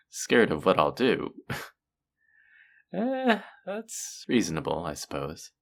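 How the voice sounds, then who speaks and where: Male actor as feared supervillain, gravelly, swooping intonation, businesslike, dry amusement, condescending, audio roleplay. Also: extremely low pitch, heavily acted. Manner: theatrical, dry, politely condescending, drawn-out pauses. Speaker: supervillain interviewing a job applicant. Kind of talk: audio roleplay acting, addressing the listener.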